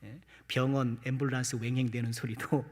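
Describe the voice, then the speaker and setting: Husky-voiced man preaching in a reverberant church. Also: medium pitch, flat delivery, moderate pace, a little mellow. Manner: addresses the congregation with rhetorical questions, light self-deprecating humor. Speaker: pastor. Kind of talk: Sunday morning sermon. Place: church sanctuary. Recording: long church-hall reverb.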